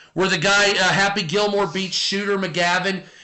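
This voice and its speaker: Here a man talks at a high pitch and moderate pace. Noticeable background noise and audible room echo surround him. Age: 40s. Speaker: livestreamer commenting on politics. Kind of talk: live stream chat reacting to viewers. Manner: casual, profane.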